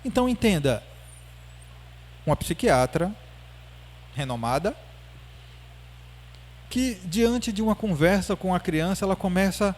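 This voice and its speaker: A man giving a public spiritist lecture, retelling a story in an animated way and checking in with the audience. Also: sits high. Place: spiritist center hall.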